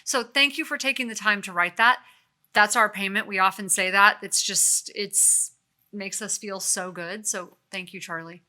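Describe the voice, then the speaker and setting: A middle-aged woman co-hosts a casual podcast with a very bright, ringing tone. She tells stories with animation and feeling, and her pitch sits in a middle range for a woman. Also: normal speed. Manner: animated storytelling, emotional. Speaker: podcast co-host.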